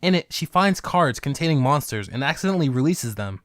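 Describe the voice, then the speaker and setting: A man's voice: on the high side, animated, fairly quick, a little hiss or hum. A young man hosting a comedic review video, sarcastic with jokey asides. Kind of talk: comedic narration.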